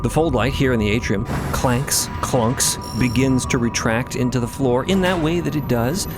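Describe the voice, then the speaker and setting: Guy narrating a story podcast, real theatrical and emphatic, mid-pitched voice, music behind him. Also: normal speed. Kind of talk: dramatic storytelling narration with casual asides. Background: music under the narration.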